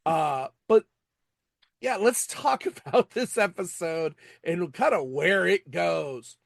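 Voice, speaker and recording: A man hosting a casual podcast recap, talking in a halting way and often repeating words as he goes. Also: high voice, animated, gravelly, no echo, clean studio sound. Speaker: podcast host reviewing TV episodes. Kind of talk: casual episode recap and commentary.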